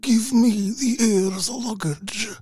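A man voicing a sinister, commanding tall coach driver in gothic audio drama, speaking slowly and imperiously. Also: high-pitched, darkish tone, husky, no room sound, exaggerated voice. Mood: cold command.

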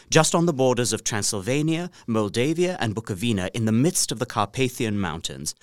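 An actor playing a proper, earnest young English gentleman narrating his journal in an audio drama, precise and expressive. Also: on the low side. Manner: expressive, precise, faintly bemused.

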